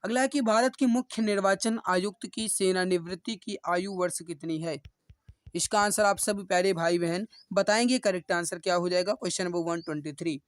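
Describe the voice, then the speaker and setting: A high-pitched man speaking fairly quickly teaches an online exam-prep class, calling students dear brothers and sisters and restating each answer repeatedly. His manner is rousing and motivational, captured in a dry, studio-quality recording.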